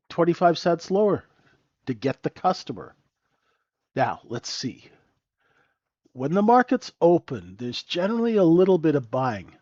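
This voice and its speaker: Guy with a stuffed-up nasal voice walking thru trades live, kinda high, flat dry lo-fi sound. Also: no room sound. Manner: conversational, keeps asking "right?". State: stuffy nose, sniffling. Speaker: trading room host. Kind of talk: live trading commentary.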